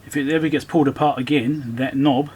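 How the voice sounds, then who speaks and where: A medium-pitched, slightly mellow male voice speaks fast and steadily as an electronics repairer presents his own repair video. His commentary is casual and hands-on, full of muttering and thinking aloud, with background noise clearly present.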